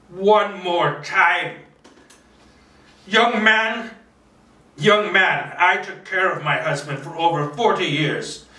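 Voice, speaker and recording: A man voicing a polite, flustered but proud elderly woman in a screenplay table read, halting and repeating insistently. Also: high-pitched, sharp tone, voice pushed up, full character voice. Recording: roomy, distant microphone.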